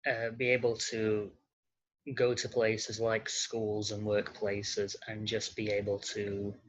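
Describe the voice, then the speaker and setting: Podcast guest: husky and unhurried, halting as they search for words, dull lo-fi recording. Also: medium pitch, monotone. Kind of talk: interview conversation. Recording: muffled lo-fi audio.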